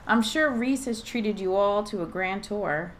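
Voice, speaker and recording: A woman's voice: mid-range voice, unhurried, slight background noise, lightly acted. A woman playing a welcoming but worried middle-aged mayor in an audio drama, speaking in a courteous, direct, articulate way.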